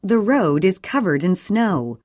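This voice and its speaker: An English audio reader, a woman, slowly reads scripted short sentences for a language drill, each clear, even and deliberate. Her intonation rises and falls lively, and her mid-range voice is recorded dry and close with no room behind her.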